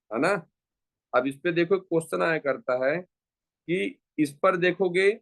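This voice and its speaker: A fairly high-pitched man gives a chemistry lecture in a classroom, walking students through each step. He repeats his phrases and poses rhetorical questions, and the recording is dry.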